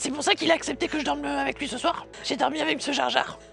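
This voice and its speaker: A put-on character voice rushes along at a very fast pace. Clear music plays in the background. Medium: actual play. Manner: casual, offhand.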